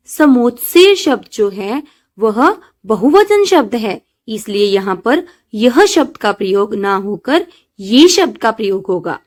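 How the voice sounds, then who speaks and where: An Indian woman teacher speaks slowly and carefully, as if to a class of young pupils. Her voice sits a little high and rises and falls with a lively, sing-song lilt. She explains step by step and reads example sentences out slowly. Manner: slow, patient, addresses pupils as children and dear. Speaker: school teacher. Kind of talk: online class lesson.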